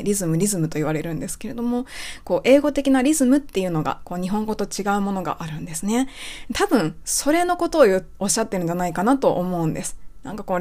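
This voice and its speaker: A woman who coaches English pronunciation, hosting a casual spoken lesson and reading out a listener's email, chatty, with many fillers and soft rephrasings. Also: medium pitch.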